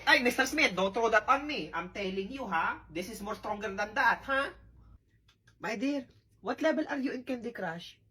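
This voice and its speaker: A woman's voice: fairly high pitch, a bit bright, a little hiss or hum, low-quality recording. A woman playing a bossy, chatty nurse with a Filipino accent in a comedy sketch, full of exclamations. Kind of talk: comedy sketch, character monologue.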